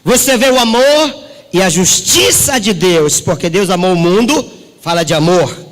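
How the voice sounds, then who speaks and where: A man preaching a sermon as a pastor, asking rhetorical questions and swinging his pitch for drama. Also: expressive, moderate pace, long reverb tail.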